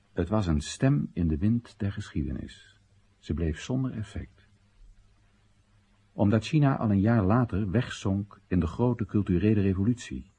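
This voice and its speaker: A man's voice: medium pitch, darkish tone, slightly rough. An actor playing a wry Chinese everyman who narrates and questions his country's policies in a radio drama monologue, ironic, rhetorical and theatrical. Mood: wry, reflective.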